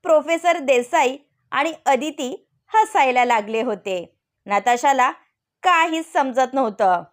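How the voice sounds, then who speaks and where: A woman narrating an audiobook story in a calm, steady reading voice. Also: high-pitched, takes it slowly.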